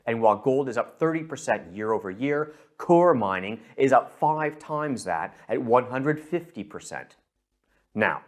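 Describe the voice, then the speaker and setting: Middle-aged American man, mid-pitched, persuasive scripted pitch straight to the listener. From San Francisco, USA. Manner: persuasive, addresses the listener directly. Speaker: investment director presenting. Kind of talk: scripted investment sales presentation.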